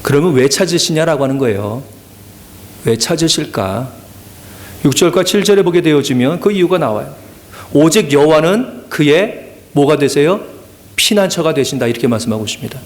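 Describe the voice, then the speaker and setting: A man's voice: fairly high pitch, a little mellow. A male pastor giving an earnest Sunday sermon in a church, often drawing amens from the congregation. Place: church sanctuary.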